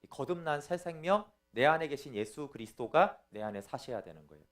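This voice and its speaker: A man's voice: a little high, lively intonation, a little fast. A middle-aged man, a pastor, giving a teaching sermon in an explanatory way and often checking in with his listeners. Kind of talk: sermon lecture.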